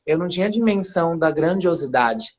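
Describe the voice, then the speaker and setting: A man from Paraíba who grew up in São Paulo and speaks with a São Paulo accent, a guest actor chatting casually in an interview, rambling with restarts and soft laughs. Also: fairly high pitch, expressive, a little fast. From Paraíba, Brazil. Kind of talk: casual interview on a live stream. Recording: dull lo-fi live stream audio.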